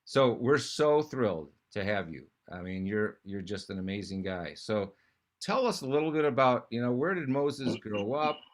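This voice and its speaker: A man's voice: medium pitch, animated, normal speed. A man hosting a casual interview, rambling before asking his guest questions. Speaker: host.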